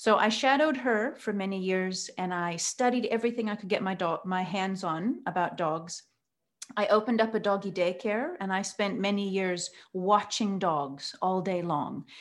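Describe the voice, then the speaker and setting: Speaking at a moderate pace with an American accent, a woman has an unremarkable speaking voice, medium in pitch with ordinary pitch variation. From US, Oregon. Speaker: mediator and animal behaviorist. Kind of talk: interview conversation. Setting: remote call from home.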